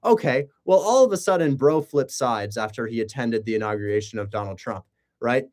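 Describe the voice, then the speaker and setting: A man's voice: medium pitch, animated, a little fast, a little mellow. Man, livestreamer, mid-range voice, casual rambling commentary, sarcastic, rhetorical. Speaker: live streamer and real estate wholesaler.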